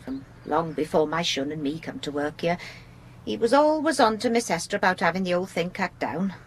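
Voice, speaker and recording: An actress playing a homely, talkative and deferential Welsh housekeeper in a 1980s British radio drama. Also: female voice, lowish voice, animated, fairly quick, a little hiss or hum, natural voice. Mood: hesitant, matter-of-fact. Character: deferential, chatty Welsh housekeeper, married woman.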